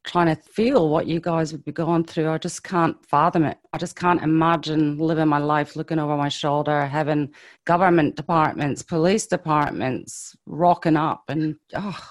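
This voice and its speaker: A woman's voice: low voice, fairly even intonation, normal speed. A woman hosting a podcast interview, sympathetic and reassuring. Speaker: podcast host.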